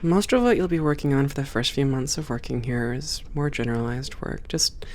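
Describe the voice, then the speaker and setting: A performer playing a friendly, composed female hangar supervisor in an ASMR roleplay, speaking in a measured, welcoming and professional way. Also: mid-range voice, a little hiss or hum, close to an everyday voice. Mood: reassuring, instructive. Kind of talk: ASMR roleplay, one-sided conversation.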